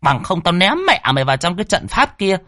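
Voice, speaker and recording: A man playing a shrill, foul-mouthed old exorcist woman. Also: big pitch swings, fast talker, bright, forceful tone, no room sound, clean studio sound, exaggerated voice. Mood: scolding threats. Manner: shrill scolding threats, coarse and bossy.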